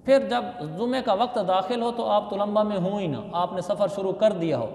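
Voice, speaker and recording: A man's voice: high-pitched, moderate pace, a little mellow. A man from Pakistan, giving a religious lesson as a mufti and explaining step by step, repeating key phrases. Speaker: mufti teaching Islamic law. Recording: echoey hall with long reverb.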